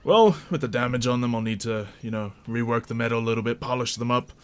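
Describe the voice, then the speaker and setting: A man's voice: mid-range voice, fast, clear, resonant tone, natural voice. Man playing a shrewd, polite blacksmith merchant. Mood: measured, bargaining. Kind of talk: tabletop roleplay improvisation.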